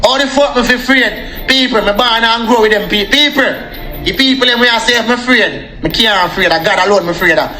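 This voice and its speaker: A man's voice: very high-pitched, a little fast, pushed and bright, roomy sound, faint music behind. Young Jamaican man ranting on a livestream. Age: young adult. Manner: repetitive, addresses viewers as people. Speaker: live streamer. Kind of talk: angry live-stream rant.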